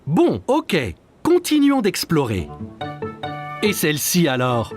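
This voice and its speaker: A man voicing a gentle, reassuring young father in a children's cartoon, patient and cheerful as he explains. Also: high voice, huge pitch swings, slow pace, over music, exaggerated voice. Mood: encouraging.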